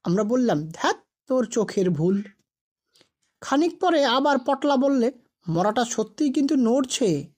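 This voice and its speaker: A woman with a fairly high voice narrates a scripted spooky tale. She reads as a storyteller, telling the ghost story in narrative prose. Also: big pitch swings, a little slow, long pauses, darkish tone.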